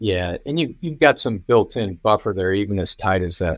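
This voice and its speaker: A man with an American accent speaks in an ordinary speaking voice at fairly low pitch and moderate pace, the sound dry and close with no echo over a quiet background. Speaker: former fighter pilot and air safety executive. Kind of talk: casual interview chat.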